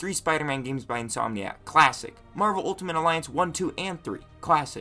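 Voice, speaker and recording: An energetic tone, lively intonation and a fairly quick pace mark the speech. Music plays in the background. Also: man. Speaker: video game reviewer. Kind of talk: comedic video game review narration. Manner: fast, energetic.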